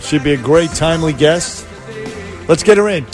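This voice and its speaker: A man's voice: a little high, lively intonation, normal speed, a little mellow, faint music behind. A man co-hosting morning radio in casual banter.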